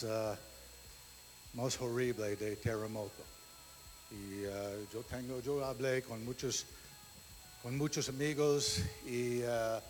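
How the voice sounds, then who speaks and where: A man speaking slow, broken Spanish into a handheld microphone in a church, searching for words with many pauses. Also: medium pitch. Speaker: guest church member. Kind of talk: halting testimony in a second language. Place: church hall. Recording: long reverb of a church hall.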